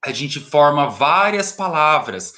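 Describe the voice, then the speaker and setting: A man's voice: on the high side, sing-song, slow pace, bright, forceful tone. A Brazilian man teaching a recorded school grammar lesson. He explains step by step, asks questions and answers them himself, and repeats single words and word parts.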